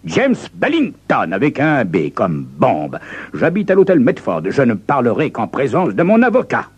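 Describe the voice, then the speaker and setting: A man voicing a prim, haughty gentleman who speaks in a formal, smugly calm way. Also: medium pitch, moderate pace, slightly rough, muffled recording, voice pushed up. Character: prim, haughty gentleman carrying a ticking box.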